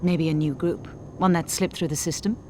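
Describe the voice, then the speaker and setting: An actress playing a tired, serious official in a video game cutscene, low-key and questioning. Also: female voice, steady tone, normal speed, noisy background, close to an everyday voice.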